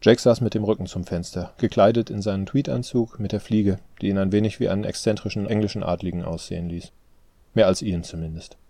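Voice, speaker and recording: Low, gravelly male audiobook narrator. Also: fairly even intonation, fairly quick, dark tone. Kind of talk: scripted narration.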